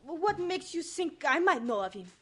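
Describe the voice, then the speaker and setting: Woman acting a high-voiced, melodramatic temptress. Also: sing-song, normal speed, a bit bright, full character voice. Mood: guarded, suspicious. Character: passionate, possessive young Casbah singer with broken English. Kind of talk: radio mystery drama acting.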